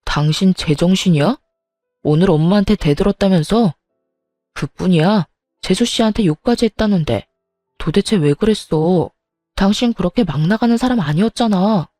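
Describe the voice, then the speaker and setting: A woman's voice: medium pitch, moderate pace, dark tone, no echo, faint music behind, close to an everyday voice. A woman voicing an angry husband who confronts his mother with reproachful questions. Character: husband, angry middle-aged man.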